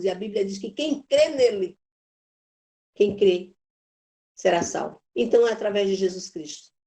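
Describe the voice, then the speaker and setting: A woman's voice: mid-range voice, mellow. A woman teaching a Bible institute class, telling a personal story in an emphatic, preacherly way with lots of repetition.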